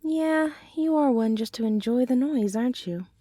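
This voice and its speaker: A woman voicing a gentle, teasing centaur girlfriend in a soothing ASMR roleplay, with breathy murmurs and soft sighs. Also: on the high side, moderate pace, no echo, lightly acted. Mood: cheerful, chatty. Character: gentle, caring, teasing female centaur girlfriend, hardworking farmer.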